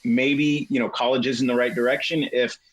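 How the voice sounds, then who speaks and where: A middle-aged man as a guest on a casual chat, talking at length and hesitating often with fillers and restarts. His voice sits at an ordinary middle pitch. It sounds dry and close to the mic. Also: steady tone, a little fast, dry recording, rough recording. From United States. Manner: rambling, hesitant, many fillers.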